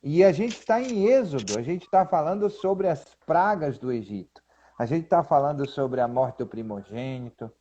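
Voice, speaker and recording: A man talks over a Bible passage in an animated, casual way, slowing down to read verses with weight. His voice is fairly high but mellow. The recording sounds a little dull and lo-fi. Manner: animated, reads scripture aloud slowly with emphasis. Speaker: co-host.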